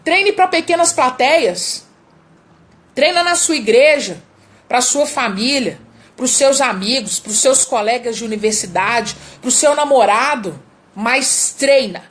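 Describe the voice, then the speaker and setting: Female speaking coach, Brazilian accent, high voice, emphatic and repetitive for stress. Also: expressive, slow. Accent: Brazilian Portuguese. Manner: emphatic, repeats key words, demonstrates vocal exercises. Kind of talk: live-streamed speaking lesson.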